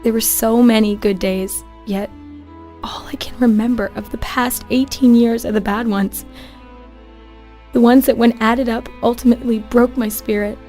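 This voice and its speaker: A woman acting a grieving young ghetto prisoner who tells her story in a radio drama. Her delivery is measured and reflective, with very little rise and fall. Music plays behind her. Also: fairly high pitch, steady tone, warm tone, close to an everyday voice. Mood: grieving, bitter. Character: grieving young Jewish woman recalling life in the Warsaw ghetto. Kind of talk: scripted dramatic first-person narration.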